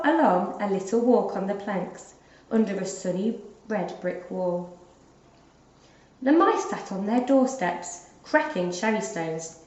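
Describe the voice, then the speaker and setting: A woman narrating a children's story aloud in an expressive, deliberate storytelling manner, like a teacher. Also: medium pitch. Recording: dull, roomy lo-fi recording.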